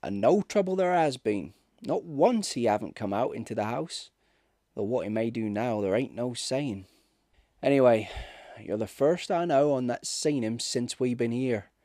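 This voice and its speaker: A man's voice: medium pitch, expressive, moderate pace, mellow, dry recording, studio quality, close to an everyday voice. A man voicing a superstitious, deferential country innkeeper in a ghost story, speaking in folksy dialect. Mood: wary. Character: rustic English innkeeper, superstitious, deferential and reproachful. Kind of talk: ghost story audiobook character.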